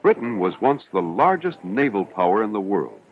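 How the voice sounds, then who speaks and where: A man reading scripted narration for an educational film in a measured, formal, explanatory way. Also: on the low side, sing-song. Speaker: documentary narrator. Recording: dull, hissy 1970s educational film soundtrack.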